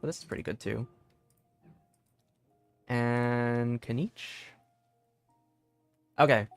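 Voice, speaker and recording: A young man doing casual live game commentary as a streamer, excitable and rambling, often repeating himself. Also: mid-range voice, takes it slowly, smooth. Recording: dry close sound with game music.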